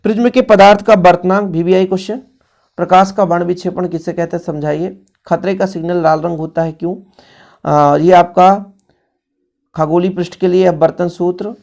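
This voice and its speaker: A man's voice: fairly high pitch, vocal fry, darkish tone. A male physics teacher, going over exam revision questions in a casual, brotherly tone and talking straight to his students.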